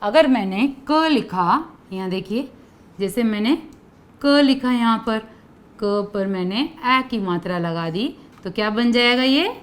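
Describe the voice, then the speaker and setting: A woman's voice: on the high side, animated, measured pace. A woman teaching young children, coaxing them with questions and asking them to repeat sounds after her. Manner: coaxing, asks kids to repeat. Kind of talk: children's lesson.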